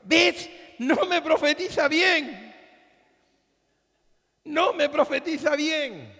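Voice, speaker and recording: A man's voice: high voice, very animated, a little slow, creaky, fairly bright tone, in a large hall, exaggerated voice. A man preacher voicing a petulant, scheming ancient king who complains with a whiny manner. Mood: vindicated.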